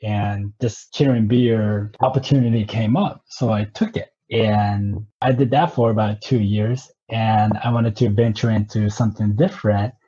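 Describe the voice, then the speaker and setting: A man's voice: lowish voice, fairly even intonation, measured pace, few pauses, dark tone, husky, dull audio. A man in his thirties from Japan who grew up partly in Southern California, talking conversationally as an interview guest. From Japan, moved to Southern California at twelve. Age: 30s. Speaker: interview guest, sake company representative.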